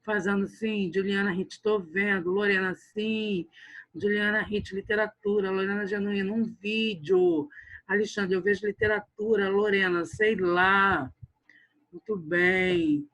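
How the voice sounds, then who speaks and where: A man's voice: high-pitched, fairly even intonation, a little slow, fairly bright tone. A man teaching an online class over a video call, chatty and joking with his students.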